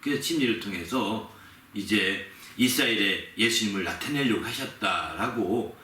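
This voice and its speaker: Man, pastor, sermon, animated storytelling, repeats words for emphasis, echoey sanctuary, distant mic. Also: fairly low pitch, normal speed, slight background noise. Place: church sanctuary.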